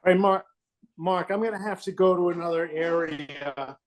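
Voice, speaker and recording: A man's voice: high-pitched, normal speed. A man joining a committee meeting remotely, his video-call audio choppy and breaking up as he gives short, plain replies. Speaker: committee member. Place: remote location, moving between areas.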